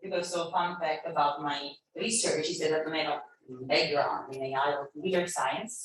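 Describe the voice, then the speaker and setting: A young adult woman, a native Italian speaker, introduces herself on a panel, thoughtful and hesitant, with fillers. Her voice sits low with a fairly bright tone. The room mic is distant and echoey, with faint noise.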